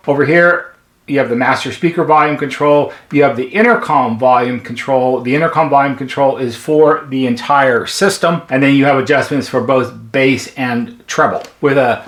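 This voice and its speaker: Roomy workshop sound, American man, medium pitch, middle-aged, methodical, unscripted product walkthrough. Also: a bit bright. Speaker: presenter, intercom repair technician. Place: indoor workshop at a workbench. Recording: roomy, echoing indoor sound.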